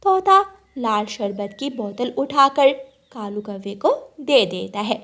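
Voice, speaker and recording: A woman's voice: a little high, expressive, slow, fairly bright tone. A woman narrating a children's cartoon story and ending with a moral and a request to subscribe.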